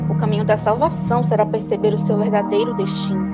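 A woman's voice: medium pitch, level tone, quick pace, lightly acted. Woman acting a solemn Brazilian prophetess, music behind. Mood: ominous. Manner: solemn, declamatory.

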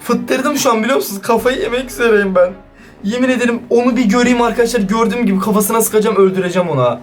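A male YouTuber with a high voice runs a casual gaming vlog. He talks in an excitable, slangy way and keeps turning to his viewers. Faint music plays underneath. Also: fast.

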